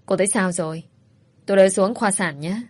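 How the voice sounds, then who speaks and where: A woman's voice: medium pitch, a little fast, darkish tone, natural voice. A woman voicing an indignant young single mother who speaks firmly. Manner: firm, indignant.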